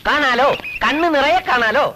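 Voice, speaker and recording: An actor playing a sly, gossiping village herbal healer who talks in a fawning, wheedling way. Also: male voice, very high voice, moderate pace, pushed and bright, a little hiss or hum.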